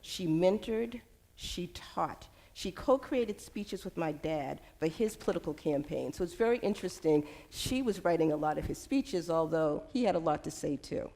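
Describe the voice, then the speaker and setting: A middle-aged woman giving prepared personal remarks as a panelist, speaking in a measured, deliberate way. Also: lowish voice, expressive, mellow. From United States. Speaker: panelist, center director.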